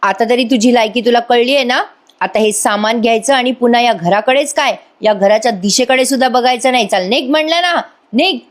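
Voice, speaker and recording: A woman's voice: fairly high pitch, a little fast, lightly acted. A woman voicing a stern young woman who scornfully orders a rival out of her home. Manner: scornful, commanding.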